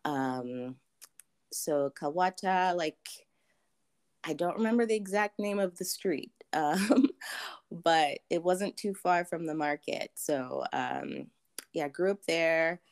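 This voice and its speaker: Low, slow-talking woman from Zambia. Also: very animated. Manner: thoughtful, many ums and restarts. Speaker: interview guest. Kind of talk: casual interview answers.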